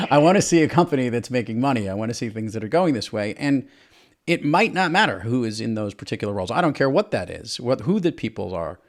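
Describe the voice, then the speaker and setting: A man's voice: medium pitch, very animated, a little fast. A man hosting a podcast interview, upbeat and emphatic, with playful asides. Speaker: podcast host.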